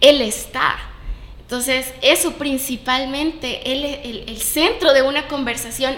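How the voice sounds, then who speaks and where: A woman with a Salvadoran accent speaks at a fairly slow pace and high pitch, with ordinary pitch variation. Noticeable background noise and audible room echo fill the recording. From western El Salvador (Ahuachapán). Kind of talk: casual faith-based chat.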